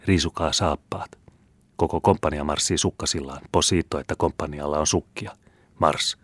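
Man doing a gruff, blustering old captain. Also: very deep voice, steady tone. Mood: hushed. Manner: gruff, cursing, boisterous. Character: blustering stout old male army captain.

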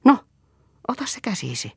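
A woman's voice: fairly high pitch, very animated, gravelly, a little mellow, husky, dry recording, voice pushed up, exaggerated voice. A woman reading the part of a defiant, steadfast wife who speaks firmly and resolutely. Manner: firm, resolute. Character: defiant, steadfast wife standing her ground.

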